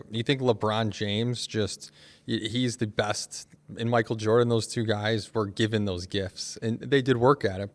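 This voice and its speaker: A man talking casually on a podcast panel, earnest and emphatic. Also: mid-range voice. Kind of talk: casual conversation.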